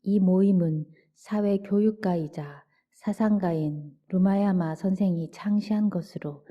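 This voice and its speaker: A low-pitched woman reads a book aloud for listeners drifting off to sleep. Her delivery is soft, unhurried and gentle, at times sinking almost to a whisper. The recording sounds dull and lo-fi. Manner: soft, slow and gentle, sometimes near a whisper. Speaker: audiobook narrator. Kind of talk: calm bedtime book reading. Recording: dull lo-fi audio.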